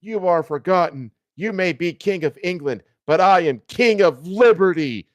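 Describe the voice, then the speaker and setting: A man's voice: high voice, expressive, normal speed, dry recording, pitched above the performer's own voice. A man voicing a swaggering, smug and seductive heroic cartoon cat in a storybook reading. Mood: righteous, mighty.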